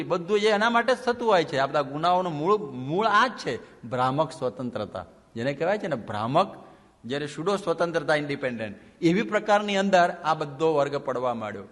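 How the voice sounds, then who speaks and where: A man, a monk, giving a lively sermon full of rhetorical questions and mixing in English phrases. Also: fairly high pitch. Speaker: monk preacher. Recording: long hall reverb.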